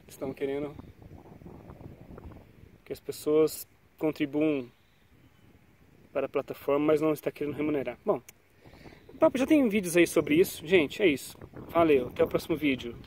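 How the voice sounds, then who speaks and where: A cycling vlogger with a cold talks casually to the camera about bike brakes, recorded outdoors on a quiet paved road through an action camera mounted on the bike. He's chatty and loose, trailing off with "tá?" and "né?". His voice is somewhat high with a darkish tone.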